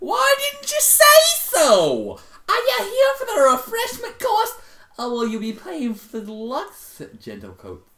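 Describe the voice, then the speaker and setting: Delivered at a fairly slow pace, the speech comes in a put-on character voice. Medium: read story. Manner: polite, professional.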